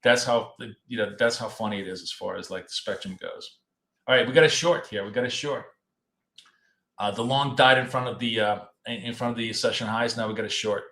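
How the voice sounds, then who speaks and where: A man's voice: fairly low pitch, a little fast, pushed and bright, roomy sound. Chatty man streaming live from his home office. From United States. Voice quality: talkative, repeats himself, loose and chatty. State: losing his voice, coughing. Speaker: trading show host. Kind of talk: live trading stream chat. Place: home office in a city apartment.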